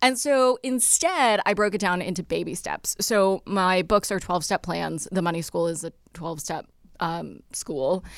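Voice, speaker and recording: A woman with a plain, everyday voice at medium pitch speaks at a fairly slow pace with lively intonation. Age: 30s. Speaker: financial expert and author. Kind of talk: casual interview. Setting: remote call.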